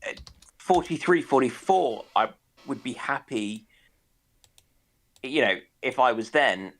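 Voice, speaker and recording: A man in casual discussion on a naval history stream, speaking haltingly with dry humour. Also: mid-range voice, lively intonation, a bit bright. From United Kingdom.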